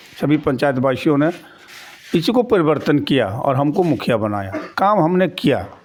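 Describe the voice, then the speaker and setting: With very even loudness, a man speaks at a fairly high pitch that moves in very wide swings. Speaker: village council head. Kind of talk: interview.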